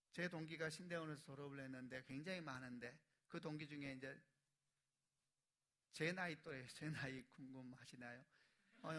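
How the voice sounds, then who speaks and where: A man in his forties, a pastor preaching a sermon, telling stories and building to loud emphatic peaks. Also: mid-range voice. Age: 40s.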